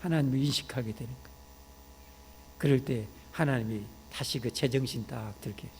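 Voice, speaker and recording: A man with a Jeolla accent preaching a sermon in a church, talking like in conversation, peppering lines with "ye" and turning to loud emphatic calls. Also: medium pitch, brisk, a little hiss or hum. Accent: Jeolla Korean. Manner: conversational preaching, frequent "ye" interjections, rising to shouts when emphatic. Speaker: pastor. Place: church sanctuary. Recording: church hall reverb.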